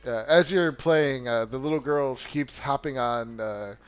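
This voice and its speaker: A man's voice: medium pitch, measured pace, clean tone, muffled recording. A man narrating a tabletop game as game master, casual and rambling, often breaking into laughter.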